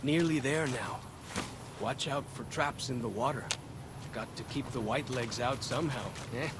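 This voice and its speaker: A man's voice: mid-range voice, moderate pace, noisy background, lightly acted. A man playing a friendly young tribal scout guide in a video game, easygoing and folksy with clipped phrasing. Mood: relaxed, wry. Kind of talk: video game character dialogue.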